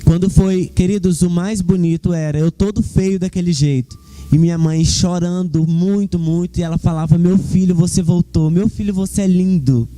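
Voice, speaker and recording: A man's voice: high voice, fairly even intonation, moderate pace, dark tone, soft background music. A young man giving a fervent church testimony, speaking directly to the congregation. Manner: fervent, addresses the congregation as "queridos".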